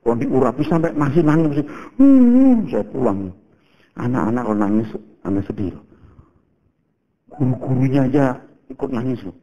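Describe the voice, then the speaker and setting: A man in his fifties from Indonesia preaching a sermon as a pastor, telling stories in a casual, animated way and calling the congregation "saudara". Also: medium pitch, moderate pace, long pauses, dull audio. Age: 50s. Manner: animated storytelling, shifts between loud exclaims and hushed prayer.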